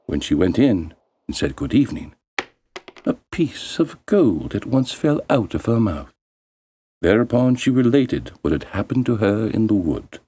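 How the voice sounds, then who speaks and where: A man narrating a bedtime fairy tale as a storyteller, in a measured, expressive and deliberate way. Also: on the low side, slight background noise.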